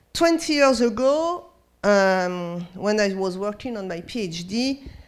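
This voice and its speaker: In a very clean recording with a silent background, a woman with a French accent speaks at a fairly slow pace, her pitch swinging very widely. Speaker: sociologist. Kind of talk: lecture. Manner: hesitant non-native English.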